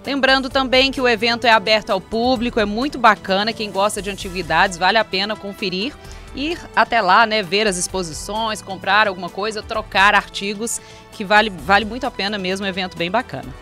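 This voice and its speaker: A woman's voice: mid-range voice, brisk, bright, forceful tone, faint music behind. A young woman reading a city news bulletin in a small radio studio, adding chatty asides. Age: young adult. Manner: reads from paper with chatty asides. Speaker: news presenter. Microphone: studio mic on desk.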